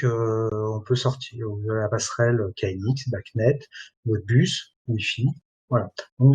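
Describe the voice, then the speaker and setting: A man presenting and demoing software in a webinar, talking in a halting way and filling pauses constantly. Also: mid-range voice, breathy edge. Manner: hesitant, many fillers like voilà and hein. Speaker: product presenter.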